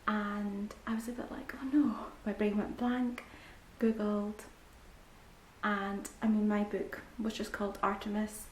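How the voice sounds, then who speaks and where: A woman's voice: medium pitch, level tone, unhurried. Chatty Scottish woman in an echoey room. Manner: chatty, frequent ums, drops to near-whispers at times. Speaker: book vlogger. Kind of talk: casual reading vlog. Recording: echoey room with faint background hiss.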